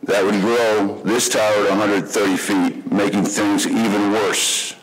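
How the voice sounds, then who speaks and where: A middle-aged man, president of a homeowners group, reading prepared public comments at a podium in a meeting room. He speaks earnestly and haltingly, with many fillers. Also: fairly low pitch, steady tone, music in the background, low-quality recording. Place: indoor township meeting room. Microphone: podium microphone.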